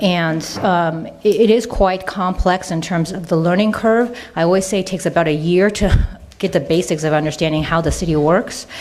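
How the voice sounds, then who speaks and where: A woman's fairly low voice with an American accent against noticeable background noise. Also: ordinary pitch variation. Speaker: city neighborhood program manager. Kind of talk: conference talk. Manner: fast.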